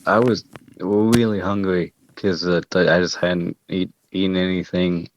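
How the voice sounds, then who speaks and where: A man with a very low voice talks slowly and haltingly, with many fillers, about his part in a tabletop game. His mic sounds dull and dry, lo-fi. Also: flat delivery, a little hiss or hum. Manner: slow, hesitant, many fillers. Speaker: player. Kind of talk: casual chat between players.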